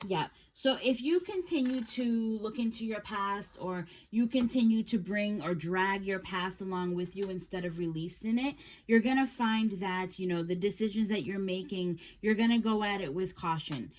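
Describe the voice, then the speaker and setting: A woman giving a casual tarot reading, talking in a gentle, reassuring way and often halting with fillers and restarts. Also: mid-range voice, a little hiss or hum. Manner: gentle, reassuring second-person advice. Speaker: tarot reader.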